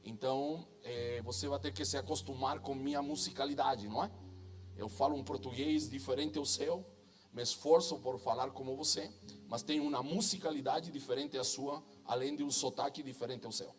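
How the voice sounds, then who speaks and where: A man's voice: mid-range voice, moderate pace. Give me a chatty Chilean preacher, a man with a strong Chilean Spanish accent, joking at his own expense before a congregation. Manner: chatty, self-joking, tags lines with "não é?" and "amém?". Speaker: guest preacher. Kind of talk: sermon at a church conference. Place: church stage before a congregation.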